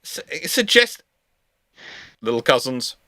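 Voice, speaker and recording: A man hosting a casual live panel chat, reading out questions in a halting, stammering way that often repeats words. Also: mid-range voice, sing-song, bright, forceful tone, no room sound, studio quality.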